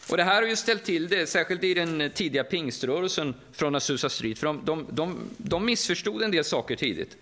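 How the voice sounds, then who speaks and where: A middle-aged man from Västergötland, Sweden, delivers a lively, conversational sermon in his regional accent, often asking the audience questions. His voice sits high.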